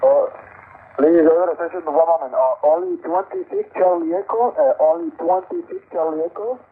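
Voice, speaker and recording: A man's voice: a little high, expressive, moderate pace, gravelly, husky. A man from Venezuela calling on the radio, hesitant, with many fillers and repeated requests. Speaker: CB radio operator. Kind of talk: radio contact. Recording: tinny radio signal with static.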